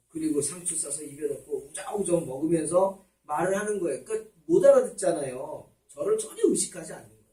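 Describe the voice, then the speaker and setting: 교회에서 설교하는 남자 목사로, 겪은 일을 이야기처럼 풀며 등장인물의 말을 흉내 낸다. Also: male voice, on the high side, warm tone, roomy sound, recorded from a distance, poor audio. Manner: storytelling, acts out quoted people. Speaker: pastor. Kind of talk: sermon. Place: church sanctuary.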